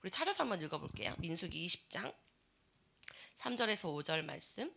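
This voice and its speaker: A woman's voice: on the low side, sing-song, brisk, gravelly, pushed and bright, breathy edge. A woman preaching a sermon to a church youth group, asking the teenagers many questions and acting out the people she describes. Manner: acts out complaining voices in quotes.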